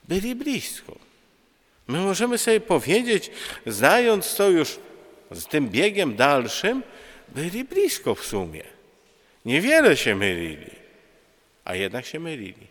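A man preaching a homily at an unhurried pace, his somewhat high voice rising and falling widely. He tells stories in an easy, conversational way, pausing often. The sound rings with a long church reverb. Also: wildly swooping pitch, a bit bright. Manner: conversational storytelling with pauses and fillers. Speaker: priest or friar preaching. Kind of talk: sermon.

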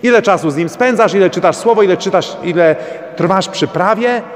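A man's voice: sits high, fairly quick. A man preaching a sermon as a priest, urging his listeners with repeated rhetorical questions. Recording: long church reverb.

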